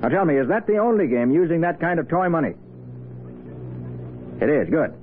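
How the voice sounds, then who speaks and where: An actor playing a shrewd, confident male private detective in a 1940s radio drama, brisk and authoritative. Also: on the high side, sing-song. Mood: businesslike. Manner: brisk, authoritative, reasoning aloud. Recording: tinny, faintly noisy vintage radio recording.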